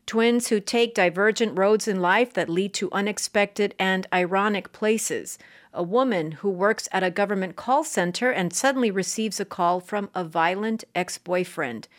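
A woman hosting a public radio book program, reading a literary introduction and asking an author about her work in a measured way. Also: mid-range voice. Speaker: radio host.

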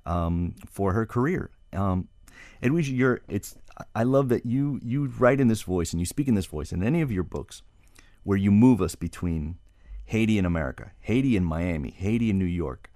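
A man hosting an interview poses long, meandering questions with plenty of fillers. His voice sits low, and the recording is dry and close. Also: lively intonation, normal speed, dark tone, no room sound. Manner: thoughtful, rambling questions with fillers. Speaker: radio interview host. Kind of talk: conversational interview.

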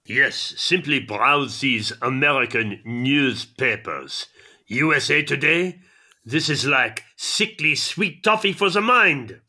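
A man's voice: mid-range voice, lively intonation, slow, bright, forceful tone, full character voice. A man playing a gloomy, haughty French existentialist with a French accent in a radio comedy sketch. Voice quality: haughty, sardonic.

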